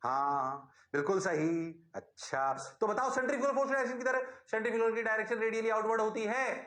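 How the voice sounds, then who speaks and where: A man leads an online physics class in a bright, high voice. He is energetic and coaxing and keeps repeating his questions to get the students to answer. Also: quick pace, echoey room. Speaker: physics teacher.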